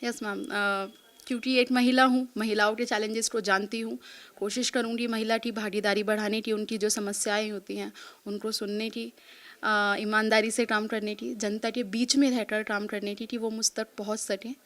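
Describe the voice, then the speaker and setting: A woman's voice: mid-range voice, little pitch movement, moderate pace, a bit bright. A woman in her thirties from Delhi, answering an interviewer politely, often saying ma'am and mixing English words into her talk. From Delhi, India. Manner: polite, keeps calling the reporter ma'am, mixes English words in. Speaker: interviewee, exam topper. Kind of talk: answering a reporter's interview questions.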